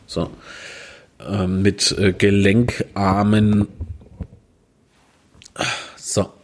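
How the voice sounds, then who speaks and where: Dry, low-voiced man reading puns. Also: flat delivery, very slow. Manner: reads puns in a dry, plain way with self-mocking asides. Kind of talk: casual joke reading. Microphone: handheld recorder on a small tabletop tripod.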